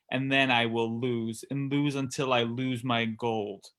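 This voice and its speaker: A man narrates a staged reading, delivering scene descriptions from a script. He speaks slowly and deliberately. His voice is mid-pitched, with a crisp, forceful brightness.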